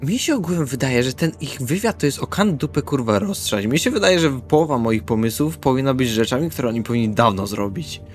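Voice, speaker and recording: A man's voice: mid-range voice, lively intonation, fairly quick, hardly any pauses. A man playing a tabletop role-playing game, improvising dialogue and narrating his actions bluntly with casual swearing. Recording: music under the voice. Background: background music.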